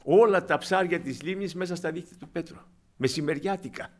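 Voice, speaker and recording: A man preaching a sermon to his congregation, animated, swinging between loud exclamations and hushed asides, calling them dear brothers. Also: a little high. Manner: acts out quoted scripture and people in his own voice.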